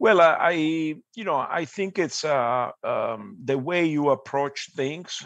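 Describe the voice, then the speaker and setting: Speaking very slowly, a man uses a fairly high pitch. The sound is dry with no echo, and the background is quiet. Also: ordinary pitch variation, hardly any pauses. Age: 50s. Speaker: neurosurgeon, professor; professor. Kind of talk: online lecture and Q&A. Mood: reflective, encouraging. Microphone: headset.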